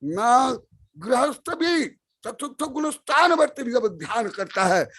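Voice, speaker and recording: An older man giving a sermon as a spiritual teacher, chanting verses and repeating key words with emphatic bursts of loud speech. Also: very high voice, very animated, measured pace. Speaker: Jain acharya preaching. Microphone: online webinar stream.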